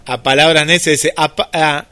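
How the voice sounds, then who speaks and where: A man's voice: a little high, steady tone, normal speed, pushed and bright. A man with an Argentine Rioplatense accent hosting casual radio chat, thinking aloud with plenty of fillers. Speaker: radio host.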